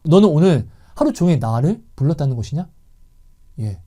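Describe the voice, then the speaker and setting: Man doing god's voice, gentle and patient, low and soft, calm questioning, mellow tone. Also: moderate pace.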